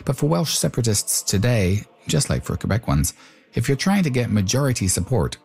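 A man's voice: medium pitch, very animated, brisk, creaky, darkish tone, breathy edge. A man presenting and narrating a radio-style feature, also asking the interview questions.

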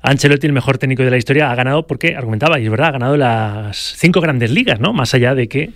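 A man hosting a radio sports show, briskly presenting segments and handing over to reporters. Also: mid-range voice, animated, dry recording, clean studio sound.

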